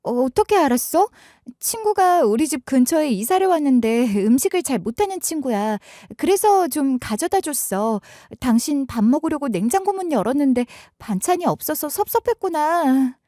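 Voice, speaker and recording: A woman's voice: high voice, very animated, moderate pace, hardly any pauses, dark tone, no room sound, studio quality, pitched above the performer's own voice. A woman voicing a middle-aged wife who stammers out evasive excuses and turns defiant, as scripted audiobook dialogue. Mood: flustered.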